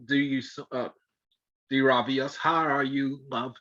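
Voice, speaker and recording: Effusive man hosting, bright lo-fi sound. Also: medium pitch, level tone, measured pace. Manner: effusive, affectionate, rambling. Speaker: podcast host. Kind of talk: casual interview chat.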